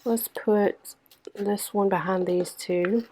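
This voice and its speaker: A young woman with a hoarse, stuffed-up voice chatting casually through a planner-decorating vlog. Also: medium pitch, fairly even intonation, dark tone, slight background noise. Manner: chatty, lots of ums, unhurried. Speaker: planner vlogger. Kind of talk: casual plan-with-me narration.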